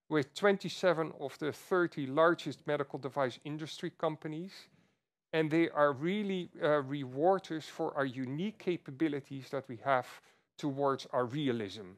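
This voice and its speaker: A man speaking as a chief executive on an earnings call, presenting in a halting way with repeated phrases. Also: mid-range voice.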